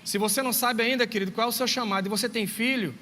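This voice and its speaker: A man preaches to his congregation in a high, bright, ringing voice, acting out little scenes of dialogue and calling out to his listeners. His voice carries a long reverb through the church hall. Faint noise sits underneath. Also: very fast. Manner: animated storytelling, acting out dialogue, addressing listeners directly. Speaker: pastor and schoolteacher. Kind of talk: sermon to a congregation. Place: church sanctuary.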